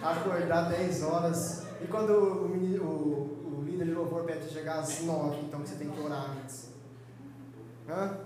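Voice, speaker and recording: High-voiced Brazilian young man preaching. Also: normal speed, echoey room, a crowd in the background. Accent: Brazilian Portuguese. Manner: lively, joking, conversational preaching with quoted voices. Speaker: Sunday school teacher. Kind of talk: sermon teaching. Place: church hall.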